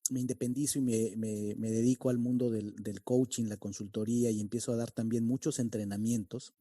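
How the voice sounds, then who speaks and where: A man from Mexico City with a neutral Mexican accent, hosting a podcast interview and talking in a reflective, halting way with many restarts. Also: medium pitch, level tone, mellow, dry recording, studio quality. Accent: neutral Mexican Spanish. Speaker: podcast host.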